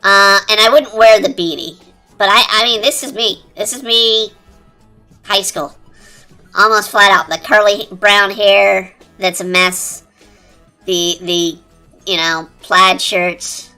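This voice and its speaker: A streamer talking through a high-pitched chipmunk voice changer in rambling, casual chat while drawing. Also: fairly even intonation, takes it slowly, clear, resonant tone. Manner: rambling, chatty, lots of fillers. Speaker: art streamer. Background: quiet cafe-style background music.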